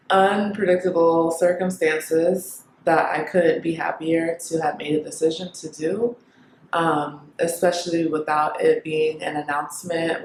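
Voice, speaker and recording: A woman's voice: sits low, a little hiss or hum. Reflective young woman vlogger in echoey room. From Kenya. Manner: reflective, thinking aloud with many pauses and fillers. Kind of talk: casual talk to camera.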